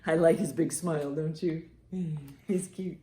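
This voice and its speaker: A woman's voice: deep voice, steady tone, unhurried, mellow, reverberant. A woman presenting storytime for young children, reading and explaining expressively and speaking to them directly. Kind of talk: picture-book storytelling and instruction for young children.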